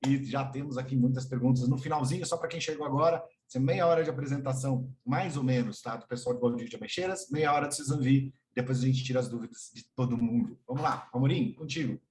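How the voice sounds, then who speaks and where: A man's voice: mid-range voice, fast, hardly any pauses, a little mellow, a little hiss or hum. A man with a Brazilian Portuguese accent, hosting an online session and introducing guests one by one. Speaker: host and moderator of an online session. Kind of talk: moderating a video call. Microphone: video call.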